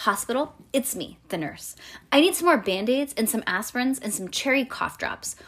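A woman's voice: fairly high pitch, natural voice. A woman reading a storybook as a bossy, impulsive little girl, with emphatic, blunt childish exclamations.

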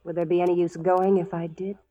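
Casting: a woman to play a proud, yearning pioneer woman for old-time radio western, low-pitched and direct. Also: flat delivery, fast talker, narrow, tinny audio, natural voice. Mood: earnest, determined. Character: proud, lovelorn, bold frontier woman. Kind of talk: 1940s radio western acting.

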